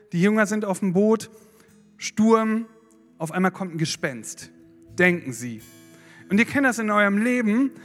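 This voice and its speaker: Man, sermon, lively, high pitch, reverberant hall. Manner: lively, dramatizing with acted-out prayers. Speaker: preacher. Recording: long hall reverb with faint guitar.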